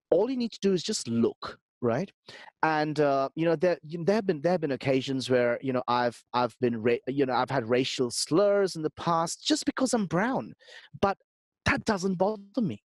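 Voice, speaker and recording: A man from Calcutta, Bengali his first language, talks as a podcast guest in a fairly high voice. He is emphatic and earnest, often repeating a word before he gets going. The recording is close and dry. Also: no room sound. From India, Calcutta. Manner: earnest, emphatic, repeats words when starting. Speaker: podcast guest, business strategist. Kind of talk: conversational interview.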